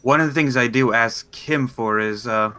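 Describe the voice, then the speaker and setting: A man's voice: medium pitch, moderate pace, bright, forceful tone, a little hiss or hum. A man playing a tabletop roleplaying game, talking casually and a little hesitantly.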